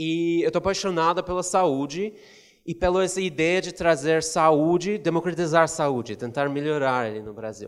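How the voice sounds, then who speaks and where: A man's fairly high voice with a non-native accent against a quiet background. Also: ordinary pitch variation, moderate pace. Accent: foreign accent in Portuguese. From Canada, Russian-born. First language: not Portuguese (Russian or English) (speaking Portuguese). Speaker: social entrepreneur. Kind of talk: panel talk at a seminar. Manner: halting, many fillers.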